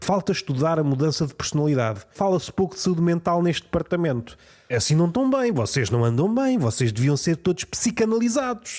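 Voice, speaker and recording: A man's high-pitched voice with a dark, mellow tone and a European Portuguese accent, very wide pitch swings, a fairly quick pace and hardly any pauses. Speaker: comedian. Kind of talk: comedic monologue. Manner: animated.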